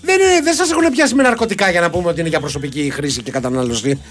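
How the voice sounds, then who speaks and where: A man co-hosting a radio show in casual banter, playful and quick to interject. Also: on the high side, animated. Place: radio studio.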